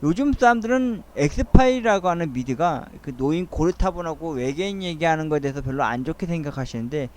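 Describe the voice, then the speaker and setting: Middle-aged man in a halting, earnest monologue. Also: a little high, animated, darkish tone. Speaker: host of a monologue essay channel. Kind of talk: rambling soliloquy, audio essay.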